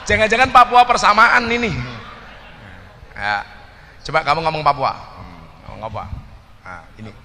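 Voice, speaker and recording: A man's voice: on the high side, normal speed, long pauses, bright, forceful tone, in a large hall, a little hiss or hum. A man giving a humorous religious talk, teasing audience members and slipping into Javanese. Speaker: preacher.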